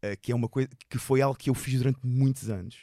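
Man, European Portuguese accent, stutters, animated storytelling, dry close sound. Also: mid-range voice, fast talker, no room sound. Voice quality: stutters, repeating and blocking on words. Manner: animated, laughs while telling stories. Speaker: stand-up comedian guest. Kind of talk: casual storytelling in an interview.

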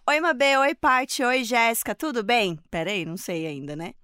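A woman co-hosting a podcast, excitable and nervously giggly, chatting and reading a listener's story aloud. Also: on the high side, normal speed, clear, resonant tone, no echo, clean studio sound. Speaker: podcast guest co-host.

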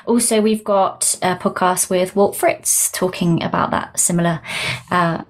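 A woman's voice: fairly low pitch, steady tone, unhurried. A woman hosting a podcast interview, asking questions and listening attentively. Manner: attentive, frequent "mm" backchannels. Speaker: podcast host.

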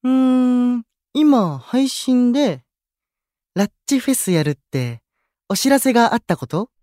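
In a Japanese audio drama, an actor plays an easygoing young male idol who chats casually and in a friendly way in a Kansai accent, sounding gently excited. The voice is mid-range, warm and natural, with lively intonation and a slightly slow pace. It's studio quality with no room sound.

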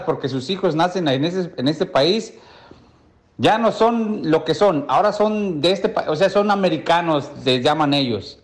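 A Mexican-accented man gives his opinion as a listener message. His voice is a little higher than average. He is colloquial and emphatic, circling back to repeat his point. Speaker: listener leaving an audio message. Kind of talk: casual opinionated rant.

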